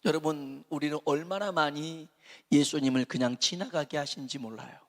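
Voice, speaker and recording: A man preaching a dramatic sermon with a high voice, rising to loud blessings and dropping to hushed asides. His voice is carried by the long reverb of a church sanctuary. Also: moderate pace. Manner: dramatic, swings between loud exhortation and quiet asides. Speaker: pastor.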